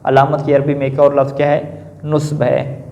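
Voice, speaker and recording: A male teacher giving a classroom lecture on grammar, posing questions to the class and answering them himself, often adding a quick confirming filler. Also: medium pitch, little pitch movement, vocal fry, darkish tone. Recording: echoey room, dull lo-fi sound.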